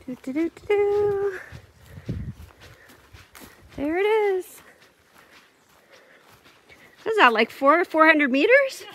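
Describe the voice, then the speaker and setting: A woman's voice: very high-pitched, lively intonation, drawn-out words, long pauses, fairly bright tone, slight background noise. Chatty woman vlogging outdoors. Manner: chatty, laughs easily, many fillers. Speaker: camping vlogger. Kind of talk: casual outdoor vlog narration. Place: outdoors at a lakeside forest campsite.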